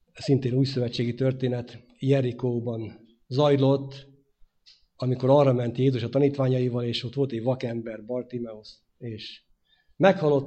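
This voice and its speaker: A man preaching a sermon, his delivery swinging from loud emphatic phrases to hushed endings. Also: medium pitch, husky. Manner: dynamic preaching, rising loud then dropping to hushed.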